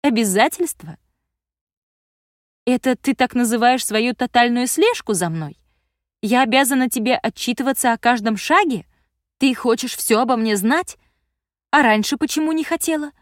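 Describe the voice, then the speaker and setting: A woman reading a story aloud, voicing a resentful teenage daughter with sharp, indignant lines. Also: normal speed, long pauses, no echo, studio quality, lightly acted. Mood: defiant. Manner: indignant, accusing, higher than her narration.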